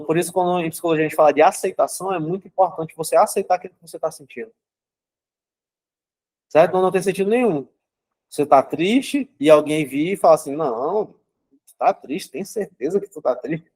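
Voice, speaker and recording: Young man with a slightly high voice, explaining psychology in a relaxed, conversational way. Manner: conversational, keeps asking "né?" and "certo?". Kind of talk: casual teaching talk.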